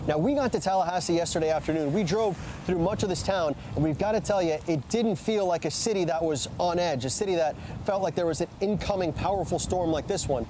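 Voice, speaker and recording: A man's voice: fairly high pitch, dark tone. An American man reporting live from outdoors in a storm as a field reporter, projecting his voice over the wind. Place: outdoors in a storm, parking lot. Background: wind, rain.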